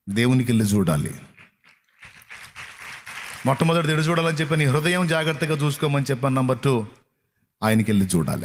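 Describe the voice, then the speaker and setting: A male pastor preaching a sermon in a colloquial, repetitive style, firing rhetorical questions at his congregation. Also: on the high side.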